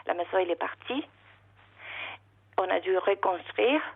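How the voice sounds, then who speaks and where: Halting woman caller on a phone line. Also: mid-range voice, gravelly, slightly rough. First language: not French. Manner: halting, repeats words, searches for words. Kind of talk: emotional call-in confession. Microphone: telephone.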